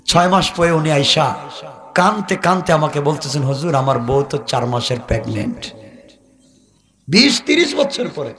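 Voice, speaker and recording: A male preacher with a high, bright voice gives a sermon. He tells his stories low and close, then rises into loud, chanted shouts. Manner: swings from low storytelling to shouted, sing-song climaxes. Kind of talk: Bengali waz sermon.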